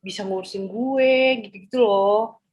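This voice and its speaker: A woman's voice: mid-range voice, normal speed. A woman in her twenties, a podcast host, telling stories in slangy casual chat and acting out quotes. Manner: slangy, animated storytelling with acted-out quotes. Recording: dull lo-fi sound.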